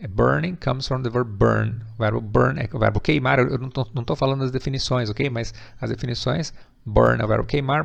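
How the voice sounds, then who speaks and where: Brazilian guy teaching english sounds, super gravelly voice, repeats words slow and keeps saying ok. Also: mid-range voice, highs cut off. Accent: Brazilian Portuguese. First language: Portuguese. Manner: explains patiently, repeats words slowly, often checks with "ok?". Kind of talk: pronunciation lesson.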